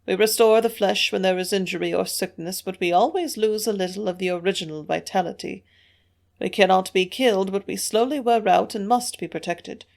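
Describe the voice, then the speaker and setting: A woman reading the part of a frail, ancient male Martian elder, speaking in a soft, high, quavering voice that stays calm and persuasive. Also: fairly quick, creaky, natural voice. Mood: earnest. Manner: soft-spoken, coolly persuasive. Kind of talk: audiobook character reading.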